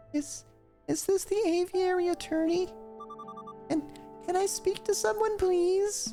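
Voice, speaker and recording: A put-on character voice speaks at a fairly slow pace with long, frequent pauses, as clear music plays in the background. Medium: virtual streamer. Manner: nervous, flustered.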